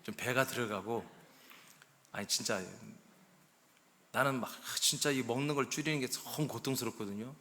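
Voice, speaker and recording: Bright-voiced older male pastor preaching. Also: mid-range voice, normal speed, pauses often. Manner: conversational storytelling, swinging between loud emphasis and hushed asides. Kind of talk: sermon. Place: church sanctuary. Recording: long church hall reverb.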